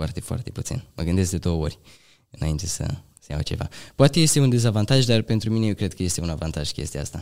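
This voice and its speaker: A man talks at a very fast pace in a very deep, low pitch with lively intonation. The recording is very clean, with a silent background. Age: 20s. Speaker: young entrepreneur. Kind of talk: interview. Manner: halting.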